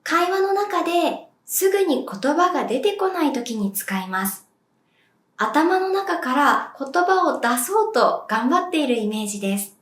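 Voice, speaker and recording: Slow, clear high-voiced woman teacher. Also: lively intonation, a bit bright. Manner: clear, deliberate, demonstrates sounds for the viewer to repeat. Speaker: Japanese language teacher. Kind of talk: slow, clear pronunciation lesson. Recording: echoey room.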